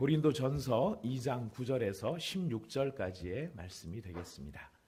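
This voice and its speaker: This man has a medium pitch, a dark, mellow tone and vocal fry. He talks at a fairly slow pace with very wide pitch swings. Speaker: pastor. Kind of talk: sermon. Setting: church. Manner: halting.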